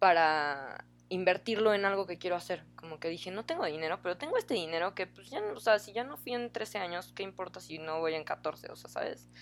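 A woman's plain, everyday voice, medium in pitch, fairly quick with hardly any pauses, showing big swings in loudness and ordinary pitch variation. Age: 30s. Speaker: youtuber and podcaster. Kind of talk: casual chat.

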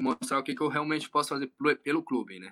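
With a bright, sharp tone, a man speaks at a fairly high pitch and with ordinary pitch variation. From Brazil, Brasília. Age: 20s. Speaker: football goalkeeper. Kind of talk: podcast interview.

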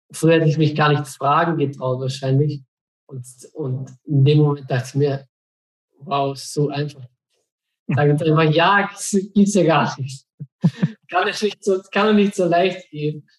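Somewhat breathy delivery from a man with a fairly high pitch and ordinary pitch variation, broken by long, frequent pauses. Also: fairly slow pace. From southern Austria, near Klagenfurt (Carinthia). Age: 30s. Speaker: former coaching client. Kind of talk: casual interview. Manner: halting, many fillers and repetitions.

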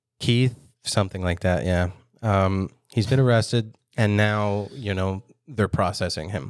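A man speaks fairly slowly in a plain, everyday voice, pitched fairly low with ordinary variation. The recording is very clean, with a silent background. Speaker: podcast host. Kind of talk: casual banter.

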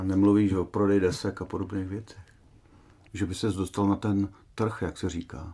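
On a very clean recording with a silent background, a man with a fairly low pitch and a dark, mellow tone speaks at a moderate pace in monotone, flat intonation. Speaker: podcast host, former radio presenter. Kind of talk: scripted narration; interview. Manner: declamatory.

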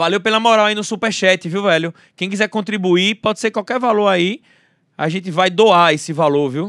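In a very clean recording with a silent background, the man's voice comes across dry and close with no echo at all. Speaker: podcast host. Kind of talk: interview. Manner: enthusiastic.

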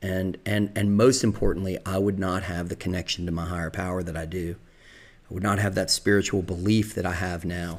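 In a very clean recording with a silent background, a man with a very deep, low pitch speaks in an American accent with monotone, flat intonation. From US South. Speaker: podcast host in recovery. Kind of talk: podcast monologue, recovery sharing. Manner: slightly halting, self-correcting.

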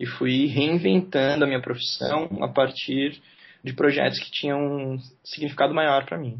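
A man with a normal speaking voice talks at a moderate pace with a fairly high pitch. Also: fairly even intonation. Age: 20s. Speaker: entrepreneur, co-founder of a community for entrepreneurs. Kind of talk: interview.

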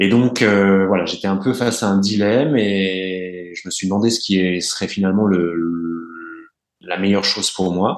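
A man with a fairly low voice speaks at a fairly slow pace. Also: fairly even intonation. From Burgundy, France. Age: 40s. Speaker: TV journalist. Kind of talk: interview. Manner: halting.

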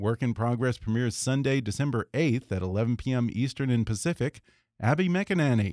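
With an American accent and an ordinary speaking voice, a man talks at a fairly quick pace and medium pitch with lively intonation and very even loudness, the sound dry and close with no echo on a very clean recording with a silent background. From Texas. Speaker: podcast host. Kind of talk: interview.

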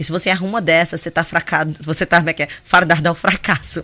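With a slight Goiás accent, a woman talks at a fairly quick pace in a bright, sharp tone, fairly low in pitch with ordinary pitch variation. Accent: Goiás interior accent, slight. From Brazil, interior of Goiás. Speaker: businesswoman, fashion retail. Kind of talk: interview conversation. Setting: studio.

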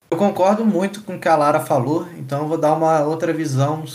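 Against noticeable background noise, a man speaks fairly quickly at a fairly high pitch with ordinary pitch variation. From Brazil, Nova Friburgo (Rio de Janeiro mountain region). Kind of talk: casual interview.

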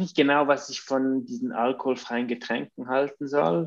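Against a quiet background, a man with a slight Swiss accent talks at a medium pitch with ordinary pitch variation. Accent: barely noticeable Swiss. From Switzerland. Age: 40s. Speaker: self-employed copywriter, guest on sobriety podcast. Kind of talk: interview.

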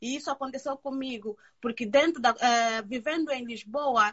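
A woman speaks at a fairly slow pace with a high pitch. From Angola (Luanda). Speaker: fashion designer and entrepreneur. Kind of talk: interview. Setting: live stream. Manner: halting.

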